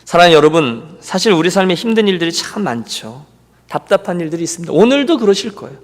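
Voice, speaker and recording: A man's voice: high-pitched, big pitch swings, quick pace. A male pastor giving a Sunday sermon, telling a story and voicing the people in it. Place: church sanctuary. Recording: long reverb of a church hall.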